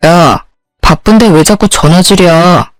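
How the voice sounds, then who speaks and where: A woman's voice: on the low side, measured pace, no room sound, soft background music, close to an everyday voice. A woman voicing a curt, dismissive husband. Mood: irritated. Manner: blunt, dismissive. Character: curt irritated husband brushing off his wife.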